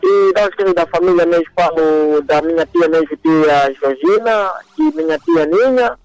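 A man's voice: on the high side, expressive, normal speed, gravelly, a little mellow, dry recording, soft background music, low-quality recording. A man. He rambles through a list of greetings and says "mesmo" over and over. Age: 20s. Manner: repeats "mesmo" constantly, rambling. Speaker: radio caller.

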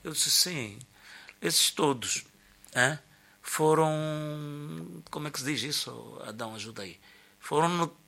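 A man's voice: fairly high pitch, slow pace, creaky, long pauses. An older man, commenting on football in a radio debate, telling stories and searching for words. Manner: animated storyteller, searching for words. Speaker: sports commentator.

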